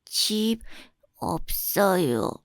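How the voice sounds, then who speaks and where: A woman voicing a small, greedy, childlike stray puppy in a storybook, with slow, exaggerated delivery. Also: medium pitch, big pitch swings, no room sound, studio quality. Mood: sad, forlorn.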